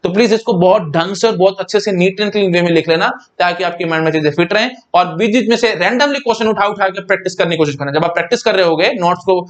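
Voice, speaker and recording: A man teaching a computer science lesson in casual Hindi mixed with English, often asking "है ना?" and slowing down to dictate notes. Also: sits high. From India. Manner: chatty, repeats "है ना?" and "भाई", dictates slowly.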